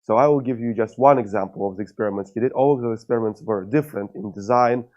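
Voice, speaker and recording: A man's voice: medium pitch, fast. A man with a Russian accent giving a conference lecture, with many "uh" fillers and dry humor. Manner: frequent "uh" fillers, wry humor. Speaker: scientist giving a conference talk. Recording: lo-fi dull sound.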